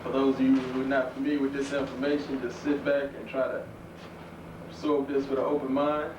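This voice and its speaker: A man's voice: medium pitch, little pitch movement, a little fast. A man hosting an event, introducing the speaker formally. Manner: formal, announcing. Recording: dull, distant, echoey, hissy.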